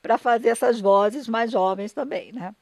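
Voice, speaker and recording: A woman's voice: a little high, unhurried, darkish tone, no room sound, clean studio sound. An older Brazilian woman, a radio drama director, explaining her work emphatically in a conversational interview, often checking for agreement.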